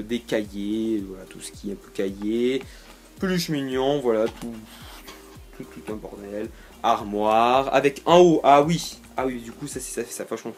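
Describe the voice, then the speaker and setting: A young man talks his way around his bedroom in a loose, rambling room-tour vlog, full of fillers, restarts and offhand jokes. He speaks at a mid pitch, picked up by a camera standing on a tripod in the room. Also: darkish tone. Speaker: YouTuber.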